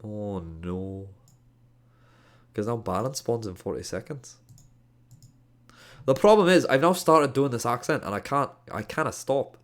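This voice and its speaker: Very animated at a normal speed, a Welsh man with a Scottish edge to his accent and a mid-range voice reviews a match in casual esports commentary, sounding exasperated and playful.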